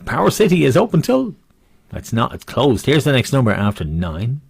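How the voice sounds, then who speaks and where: Husky-voiced man calling bingo. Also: mid-range voice, huge pitch swings, moderate pace, dry recording, studio quality. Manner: jokey, chatty, rambling. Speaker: bingo caller and host. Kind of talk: bingo calling with rhyming nicknames, casual banter.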